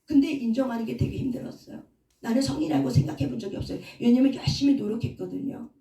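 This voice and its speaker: A woman's voice: on the high side, fast, dark tone, distant mic. A woman pastor giving a sermon, asking the audience questions and answering them herself. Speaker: pastor and counselor. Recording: echoey hall, voice from off mic.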